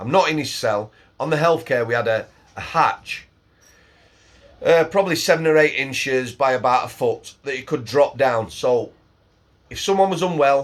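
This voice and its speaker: On a very clean recording with a silent background, a man talks at a moderate pace, leaving long, frequent pauses. His voice is fairly high, with ordinary pitch variation. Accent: northern English. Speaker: former prison officer. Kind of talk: interview storytelling.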